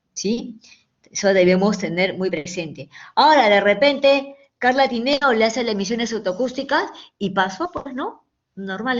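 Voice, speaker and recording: A woman giving a medical lecture to students, explaining patiently and often checking in with short questions. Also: mid-range voice. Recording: dull lo-fi recording.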